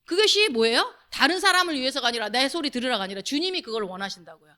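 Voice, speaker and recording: A woman's voice: sits high, animated, quick pace, pushed and bright. A woman pastor preaching a sermon to her congregation, asking them questions as she goes. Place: church sanctuary.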